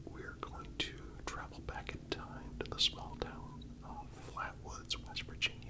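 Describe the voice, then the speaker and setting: A man whispering a scripted story as an ASMR host, in a measured, deliberate way with pauses. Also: extremely high pitch, animated.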